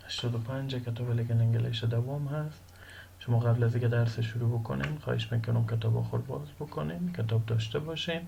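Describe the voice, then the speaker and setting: Gravelly-voiced male law lecturer. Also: mid-range voice, dull audio, slight background noise. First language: Persian. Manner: switches between Persian and slow, drilled English; repeats each vocabulary word slowly for pronunciation. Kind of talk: recorded online lecture.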